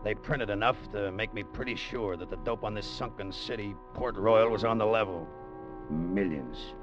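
An actor playing a brash, fast-talking gambler who narrates and pushes his way onto a treasure hunt, in 1940s radio acting, on a dull old broadcast recording with music behind. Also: fairly low pitch, natural voice. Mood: wry. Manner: fast-talking, cocky, pushy. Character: brash gambler turned sailor, tough streetwise man. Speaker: narrator and lead.

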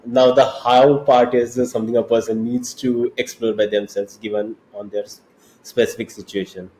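A man with an Indian accent hosting an interview, speaking in a measured way and summing up points. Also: medium pitch, flat delivery, dark tone. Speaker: podcast host. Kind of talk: interview conversation. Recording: roomy echo, faint background noise.

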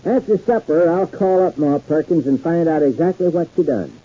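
An actor playing a folksy, good-natured older American uncle in a 1950s radio soap, with homespun, rambling country talk. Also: male voice, on the high side, lively intonation, normal speed, mellow, slightly rough. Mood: overjoyed, folksy. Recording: dull 1950s radio recording.

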